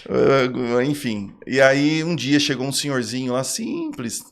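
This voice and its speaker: A man's voice: mid-range voice, big pitch swings, measured pace, fairly bright tone. Middle-aged guy runs a swim school, earnest heartfelt storytelling, repeats stuff for emphasis. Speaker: swimming school manager. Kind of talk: casual interview storytelling.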